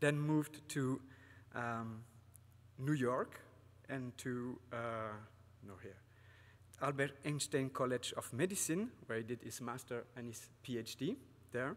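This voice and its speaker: A man at a fairly slow pace, with ordinary pitch variation and long, frequent pauses. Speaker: academic host introducing the speaker. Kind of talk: speaker introduction. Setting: lecture hall with live audience. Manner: halting, with many filler words. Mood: warm, slightly hesitant. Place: hall. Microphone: podium.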